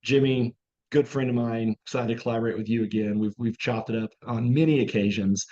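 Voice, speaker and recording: A hoarse man, a mindset coach, talking as a guest in an upbeat, fluent way. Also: mid-range voice, steady tone, a little fast, mellow, dull audio. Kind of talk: casual interview chat.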